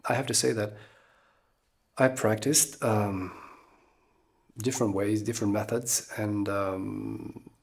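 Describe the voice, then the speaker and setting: A man in his forties from the Eastern Balkans with an Albanian accent, giving an English lesson straight to camera. He talks haltingly, with many ums and uhs, and keeps checking in with "okay?". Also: fairly low pitch, fairly even intonation, creaky. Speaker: English teacher. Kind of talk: talking-head lesson to camera. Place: small room indoors. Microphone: camera close up at face level.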